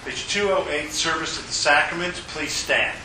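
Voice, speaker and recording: A man leading a worship service as pastor, intoning prayers and liturgy in a measured, solemn way, with a cathedral echo around his voice. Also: a little high. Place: large church sanctuary. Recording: echoey church, mic from far off, noisy.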